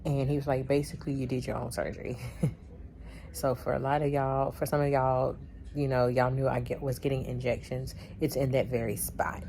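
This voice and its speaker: A woman's voice: a bass voice, flat delivery, normal speed, creaky, dark tone. A woman chatting casually in a vlog, laughing often and acting out bits of her story. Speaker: vlogger.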